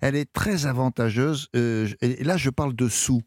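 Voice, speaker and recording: A man's voice: medium pitch, dry recording, clean studio sound. A man hosting a radio show in a chatty, joking manner. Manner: jokey, chatty, quick asides. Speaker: radio host. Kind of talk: casual radio chat. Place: radio studio.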